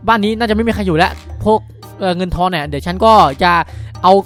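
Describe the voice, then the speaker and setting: A man hosting and improvising Minecraft roleplay in an excitable, chatty way, often repeating himself. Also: high-pitched, fast, soft background music. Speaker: YouTube gaming host and roleplay lead.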